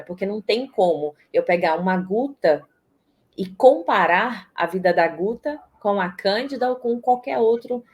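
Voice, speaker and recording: Expressive Bahian woman, low voice. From Brazil, Salvador, Bahia. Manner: expressive, restarts and repeats words. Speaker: guest, systemic positioning strategist. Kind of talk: casual interview talk.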